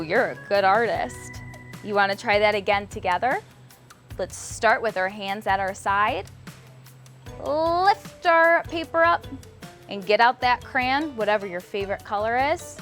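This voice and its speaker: A woman's voice: on the high side, expressive, slow pace, a bit bright, faint music behind. A woman teaching sign language to young children step by step, talking simply and encouragingly to the viewers. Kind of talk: children's show lesson, step-by-step instruction.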